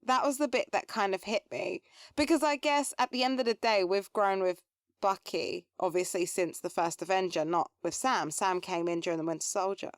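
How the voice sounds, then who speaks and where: A woman co-hosting a podcast, explaining story points in casual, measured chat. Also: medium pitch, dry recording, studio quality. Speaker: podcast co-host.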